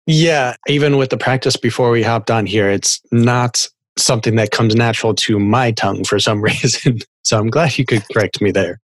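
A man's voice: medium pitch, normal speed, hardly any pauses, dry recording. A man hosting a podcast interview over a video call, friendly and talking in long run-on sentences. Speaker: podcast host. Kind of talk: casual interview.

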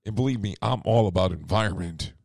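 Hoarse guy doing a news talk show, low-ish voice, dry sound, keeps correcting himself and cracking sarcastic asides. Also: fast, a little mellow, no room sound. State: hoarse, losing his voice. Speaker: radio show host. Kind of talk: casual news commentary.

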